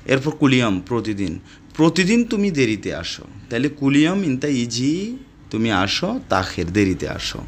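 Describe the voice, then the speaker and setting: A man teaching Arabic phrases in a casual spoken lesson, repeating words slowly and lecturing his viewers. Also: medium pitch, darkish tone, breathy edge.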